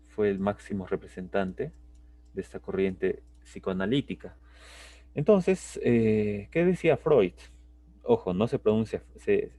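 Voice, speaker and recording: A man's voice: lowish voice, mellow, far from the mic. A man teaching psychology in a live online class, explaining step by step and checking in with tag questions.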